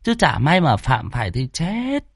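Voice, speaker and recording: A man doing a gossipy old village granny, her voice pitched way up and bouncing around as she rattles on, in a storybook reading. the recording is dry and close. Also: measured pace, gravelly, husky, no echo, heavily acted. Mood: gossiping. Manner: gossipy, lively telling. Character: chatty old village woman.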